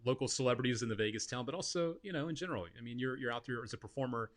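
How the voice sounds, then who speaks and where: A man's voice: mid-range voice, rapid-fire. Laid-back guy hosting, reads out a fan question. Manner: relaxed, reads viewer questions. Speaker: interviewer host. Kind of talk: casual interview.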